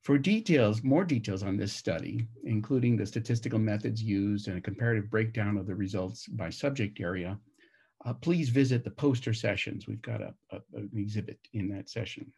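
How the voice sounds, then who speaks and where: A man with a gravelly, husky voice giving a prepared conference presentation in a measured, formal, explanatory way. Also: lowish voice, a little mellow.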